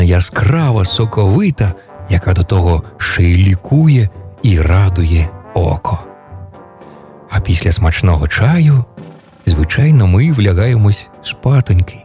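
A male radio storyteller reading a fairy tale to children. His pitch swings in a lively, sing-song way. The tone is mellow, over faint background music.

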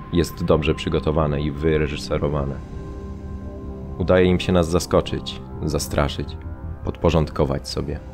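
A man's voice: a bass voice, a little mellow. A man acting a camp prisoner in a radio drama, recounting events in a terse, solemn way. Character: male camp prisoner, stark, sombre witness. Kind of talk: scripted radio drama narration.

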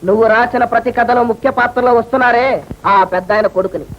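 A cocky young upstart who mocks and threatens with quick, high-pitched talk. It comes through a dull old film soundtrack with faint hiss. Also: male voice, steady tone, vocal fry. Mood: brash. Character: cocky young male story character, brash and threatening. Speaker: character in a film comedy. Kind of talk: 1980s film comedy acting.

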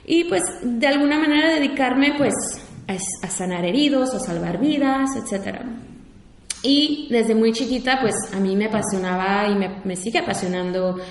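A woman's voice: fairly high pitch, moderate pace. A woman in her twenties, from Mexico, with a Mexican Spanish accent, giving an informal talk in a university hall with many fillers and restarts. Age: 20s. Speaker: invited speaker, war veteran. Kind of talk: public talk to an audience. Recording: echoey lecture hall.

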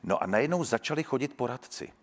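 A man, an actor and talk show guest, telling lively anecdotes and mimicking other people's voices. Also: medium pitch. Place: theatre stage at a public taping. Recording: theatre hall reverb.

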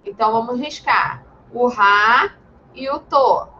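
A Brazilian woman teaching young children over a video call, patient and gentle, calling pupils sweet names. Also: on the high side, takes it slowly, muffled recording, a little hiss or hum. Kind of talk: online class for young children.

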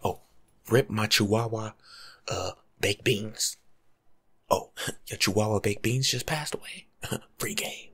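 A young American man giving casual, slangy life-coach advice in an ASMR monologue, breathy and often dropping to a whisper. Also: lowish voice, takes it slowly, pauses often, fairly bright tone. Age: young adult. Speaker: ASMR video creator. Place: small room at home, indoors.

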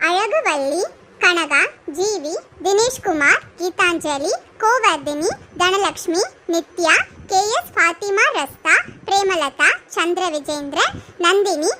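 A woman hosting a cartoon channel, softly and slowly reading out a list of viewer names. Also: very high voice, noisy background. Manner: slow, soft, listing.

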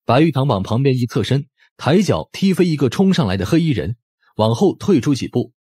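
Husky, expressive male audiobook narrator. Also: medium pitch, fairly quick, dry recording, studio quality. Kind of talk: dramatic scripted narration.

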